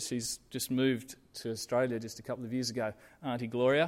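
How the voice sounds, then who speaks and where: In a very clean recording with a silent background, a man speaks at a medium pitch with monotone, flat intonation. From South Africa. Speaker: church member. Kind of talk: interview testimony. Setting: church service.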